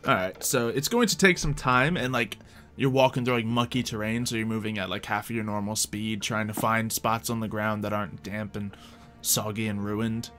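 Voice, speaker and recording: A man acting as game master, improvising tabletop roleplay narration in an informal, halting, conversational way. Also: lowish voice, fairly even intonation, a bit bright, soft background music.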